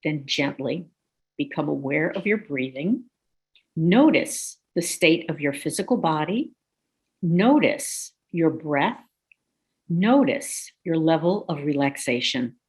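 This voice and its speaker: A woman guiding a relaxation meditation in a slow, soothing, gently instructive way. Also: low voice, animated, husky. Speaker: meditation guide.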